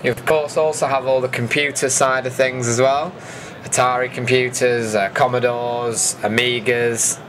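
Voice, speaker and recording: A man hosts with a casual voice-over at a middling pitch. His delivery is informal and dryly jokey, with an enthusiast's interest. There is faint noise behind him. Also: little pitch movement, normal speed, fairly bright tone. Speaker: video host narrating event footage.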